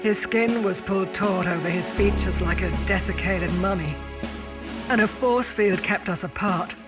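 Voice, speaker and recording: A man's voice: sits high, normal speed, natural voice. A man acting a weary captain of a doomed mining spaceship in a sci-fi audio drama, speaking with solemn, formal weight. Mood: grieving, sombre. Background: music under the voice.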